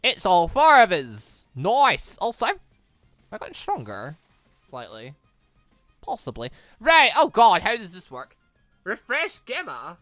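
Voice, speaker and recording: A gamer giving casual let's play commentary, muttering moves and thinking out loud. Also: medium pitch, huge pitch swings, a little slow, no room sound, faint music behind. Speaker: gaming video host.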